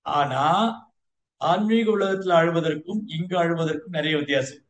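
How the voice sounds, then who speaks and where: A man's voice: fairly high pitch, normal speed, roomy sound. A man teaching as a Vaishnava lecturer in a storytelling way, slipping English words into his talk. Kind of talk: devotional lecture.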